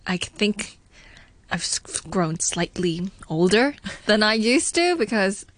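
A woman's voice: medium pitch, big pitch swings, takes it slowly, no room sound. A young woman guest on a radio chat, explaining slang in an agreeable, matter-of-fact way. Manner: explanatory, agreeable, many short yeses.

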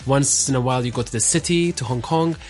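A man's voice: medium pitch, fast talker, darkish tone. A young man from Turkey, a student guest on a talk show, explaining his school's peace program in fluent, earnest sentences. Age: young adult. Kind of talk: studio talk show interview.

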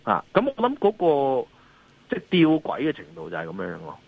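Over a dull, lo-fi call line, a husky-voiced man with a Hong Kong accent gives market commentary. His pitch swings widely as he argues emphatically and keeps asking the listener to agree. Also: huge pitch swings, brisk. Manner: emphatic, repeatedly seeks agreement with rhetorical questions. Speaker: financial analyst and columnist, guest. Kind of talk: off-the-cuff market commentary in an interview.

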